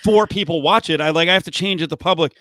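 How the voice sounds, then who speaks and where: A man's voice: fairly high pitch, quick pace, sharp tone, dry recording, studio quality. A man hosting a casual podcast, grumbling in an exasperated, jokey way.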